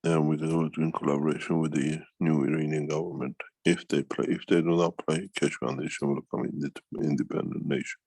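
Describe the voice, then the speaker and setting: A man giving an unscripted answer in a meeting, halting yet emphatic, often repeating phrases for weight. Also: rumbling low, little pitch movement, a little mellow, slightly rough, no echo, rough recording. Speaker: foundation speaker answering questions. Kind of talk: unscripted talk, answering a question in an online meeting.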